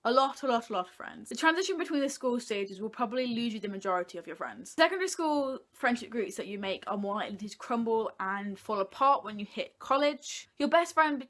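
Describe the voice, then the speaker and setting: A woman's voice: fairly high pitch, fairly bright tone. A young woman, a video blogger, talking casually and informally to her viewers. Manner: informal, chatty. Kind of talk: casual talk to viewers, list format.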